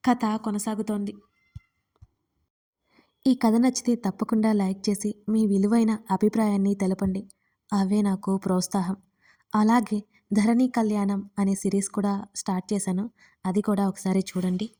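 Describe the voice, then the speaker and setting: Mellow-voiced woman narrating a story. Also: mid-range voice, normal speed, pauses often. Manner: expressive, conversational storytelling. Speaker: writer and narrator. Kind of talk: first-person audio story narration.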